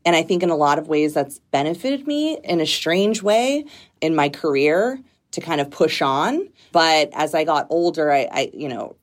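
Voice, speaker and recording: A woman from Southern California with a low voice, speaking as a guest in a relaxed interview. She talks in an open, reflective way and laughs easily. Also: moderate pace. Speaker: nonprofit executive director, guest. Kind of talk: casual conversational interview.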